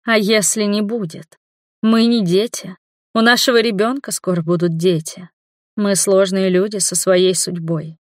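A woman's voice: mid-range voice, steady tone, a little slow, no room sound, clean studio sound, natural voice. A woman reading a story, voicing a worried middle-aged mother who doubts and laments in a plaintive tone. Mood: anxious.

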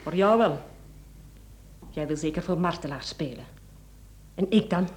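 An actress with a Flemish accent playing a cold, domineering, calculating wife in a radio play, commanding and clipped. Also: female voice, lowish voice, unhurried, slight background noise, lightly acted. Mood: cold, scheming. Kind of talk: Dutch-language radio play acting.

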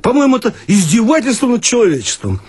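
A grumbling émigré talks in a raised, husky voice, gruff and folksy as he complains about the locals. The tone runs lively and a little irritated, as a man reads him out in a radio story. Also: very high-pitched, fast, dry recording, studio quality, pitched above the performer's own voice, heavily acted. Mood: grumbling advice.

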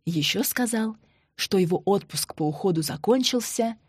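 A woman narrating an audiobook in an even, measured way. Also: mid-range voice, husky, no echo, studio quality. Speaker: audiobook reader.

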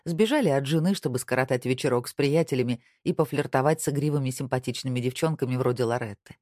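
An audiobook narrator reading a novel in an even, unhurried storytelling manner. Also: medium pitch, no room sound, clean studio sound. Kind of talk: scripted narration.

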